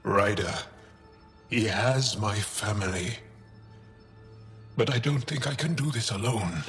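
An earnest alien warrior for a video game, in a deep register. He speaks slowly and formally, weighed down with worry, and the sound carries long reverb. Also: faint music behind. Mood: sincere. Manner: solemn, measured, formal phrasing. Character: earnest, burdened alien warrior worried for his family. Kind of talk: cinematic video game acting.

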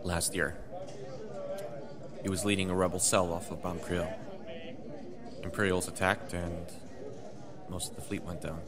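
Casting: male actor as deferential rebel officer, deep and subdued, audio drama. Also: little pitch movement, measured pace, pauses often, crowd noise. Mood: grieving. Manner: deferential, hesitant. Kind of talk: naturalistic sci-fi audio drama acting.

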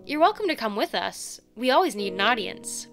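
A woman's voice: a little high, big pitch swings, moderate pace, fairly bright tone, soft background music. A young woman acting a bubbly, chatty college theater student in an audio drama, with a breezy, chirpy manner. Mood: chatty, upbeat. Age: young adult.

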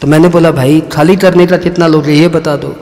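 A man's voice: on the high side, fairly even intonation, a little fast, a little mellow, long reverb tail. A man teaching a tax class in a chatty, storytelling way, acting out dialogue in his examples. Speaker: tax lecturer.

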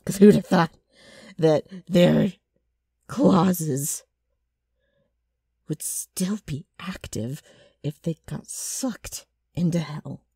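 Low, raspy, brash ghoul girl. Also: extremely slow, pauses often, warm tone, no echo, clean studio sound, heavily acted. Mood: wry, boastful. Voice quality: rough, raspy. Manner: rambling, flustered salesman-like patter with throat clearing. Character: gross, brash, scheming female ghoul ghost. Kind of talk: ASMR character roleplay addressed to listener.

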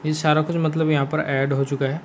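A man's voice: on the high side, flat delivery, fairly quick. A man with an Indian accent explaining steps in a casual gaming screen tutorial, repeating his instructions as he goes. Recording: faint background noise.

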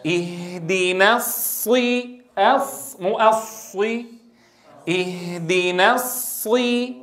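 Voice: medium pitch, fairly bright tone, reverberant. معلّم تجويد يتلو الآيات بتنغيم ثم يكرر المقاطع ببطء شديد ليصحح النطق. الصوت متوسط الطبقة، والتسجيل في غرفة فيها صدى واضح. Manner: slow, drills single syllables, melodic recitation. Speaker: Quran recitation teacher. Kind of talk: tajweed lesson, reciting and correcting.

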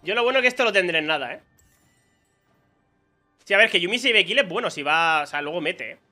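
A man's voice: high voice, expressive, fairly quick, bright, forceful tone, faint music behind. A young man with a Spain Spanish accent giving casual live commentary on his own gameplay, muttering to himself and exclaiming when surprised. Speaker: gaming streamer.

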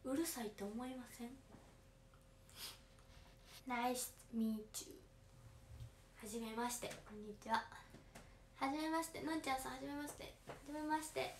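A woman's voice: sits high, moderate pace, pauses often. Chatty Kansai teen girl on a livestream. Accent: Kansai Japanese. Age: late teens. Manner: chatty, reads viewer comments aloud and answers them politely. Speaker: idol audition candidate livestreaming to fans. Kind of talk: casual livestream chat. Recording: roomy, faint background noise.

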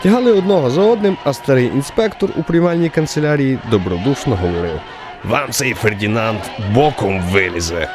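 Expressive male radio-play narrator, lively pitch swings. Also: noisy background. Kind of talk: expressive scripted literary narration.

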